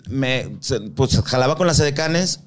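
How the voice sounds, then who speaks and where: A Mexican man, appearing as a guest, tells casual stories in a medium-pitched, animated voice that runs a little slow. His speech is slangy and full of swearing, and he acts out the voices of people he quotes.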